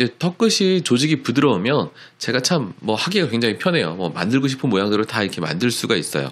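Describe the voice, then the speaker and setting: Talking at a very fast pace, a man sounds animated, with very wide pitch swings and vocal fry. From South Korea. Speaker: cosmetic doctor. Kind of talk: educational video monologue. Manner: animated, explanatory, mimics expressions. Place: office. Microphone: studio mic.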